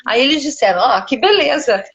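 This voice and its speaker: A woman's voice: high voice, lively intonation, fairly quick, fairly bright tone, slightly rough. A middle-aged Brazilian woman, a singer, talking casually as an interview guest.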